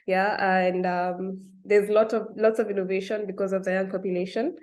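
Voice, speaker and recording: A woman's voice: mid-range voice, level tone, moderate pace, darkish tone. A young Kenyan woman with a Kenyan accent, answering interview questions thoughtfully, with many fillers and small laughs. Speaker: guest. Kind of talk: interview conversation.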